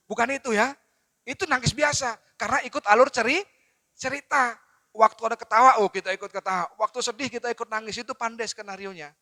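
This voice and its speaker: A man, preaching at a seminar in a lively storytelling way and talking straight to his audience. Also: very high voice, quick pace, dry recording. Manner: lively storytelling with acted quotes, addresses audience directly. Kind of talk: seminar sermon.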